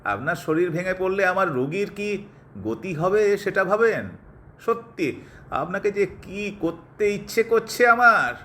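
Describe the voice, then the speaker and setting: A man's voice: sits high, animated, unhurried, bright, forceful tone, heavily acted. A man playing a kindly, teasing young doctor and family friend in an audio drama, slipping English words into his speech. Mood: scolding, concerned. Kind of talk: Bengali audio drama acting.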